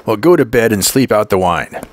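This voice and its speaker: A man's voice: fairly low pitch, lively intonation, brisk, dry recording, pitched above the performer's own voice, close to an everyday voice. A man voicing a stern, anxious middle-aged mother who gives firm, urgent orders, in an audiobook reading. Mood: worried.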